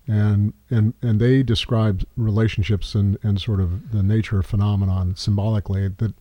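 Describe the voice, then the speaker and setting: Low, mellow man in his sixties explaining. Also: dry recording. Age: 60s. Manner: rambling, repeats words while explaining. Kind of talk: casual explanatory chat.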